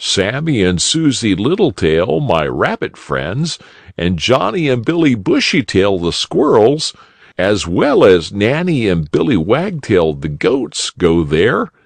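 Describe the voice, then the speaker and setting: A cheerful old rabbit gentleman from a storybook, voiced by a man, kindly and eager to help. His voice swoops up and down, lifted above the narrator's and with a gravelly grain. Dry and close. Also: lowish voice, huge pitch swings, slow, no room sound, voice pushed up, heavily acted. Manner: jolly, kindly, storybook warmth.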